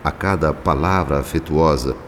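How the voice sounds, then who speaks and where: An actor playing a solemn, compassionate spirit who narrates a radio drama in a measured, literary, dramatic manner. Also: male voice, very deep voice, slight background noise. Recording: long reverb, music behind the voice.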